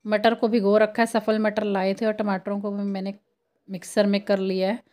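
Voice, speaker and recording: A woman's voice: medium pitch, little pitch movement, normal speed, darkish tone. A woman in her thirties, a home cooking vlogger, chatting to viewers as she explains each step. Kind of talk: casual cooking voice-over.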